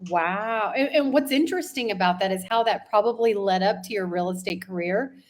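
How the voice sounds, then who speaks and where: A woman's voice: medium pitch, a little fast. A woman hosting a business interview show, encouraging and enthusiastic with her guest. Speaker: podcast host, interviewer.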